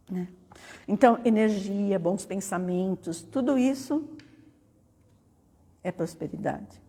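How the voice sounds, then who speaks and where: A middle-aged woman speaking at a spiritist gathering in a chatty, storytelling way. She keeps checking in with her listeners. Her voice is mellow and slightly husky, and a long hall reverb trails behind it. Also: medium pitch, lively intonation, slow pace, long pauses. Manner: conversational, often tags phrases with "né?". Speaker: speaker at a spiritist study center. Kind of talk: informal spiritual talk with personal stories. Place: spiritist center meeting hall.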